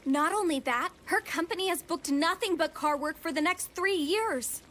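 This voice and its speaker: A woman's voice: extremely high pitch, normal speed, a bit bright, slight background noise. An actress voicing a worried, wistful young woman animator in an anime dub. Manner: wistful, earnest.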